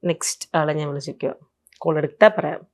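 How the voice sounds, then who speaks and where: A woman's voice: sits low, brisk, a little mellow. A woman with a Kerala Malayali accent hosting an interview in a casual, chatty style. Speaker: interview host. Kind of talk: casual chat.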